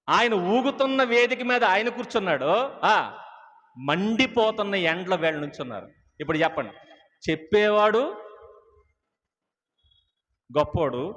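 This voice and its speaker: Male pastor, fairly high, forceful delivery, preaching from a podium on a stage mic, quizzing the congregation, hall reverb trailing every phrase. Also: dull audio. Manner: rhetorical questions to the congregation. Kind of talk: sermon. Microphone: stage microphone.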